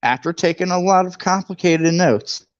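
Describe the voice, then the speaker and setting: A man's voice: high voice, normal speed, dry recording, muffled recording. A man reading a book aloud for a live read-along, chatty, with jokey asides.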